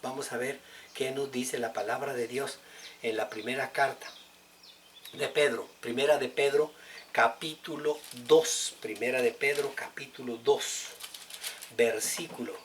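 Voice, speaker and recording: Preacher, emphatic sermon, repeats key words, mid pitch. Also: steady tone, a little slow, a little hiss or hum.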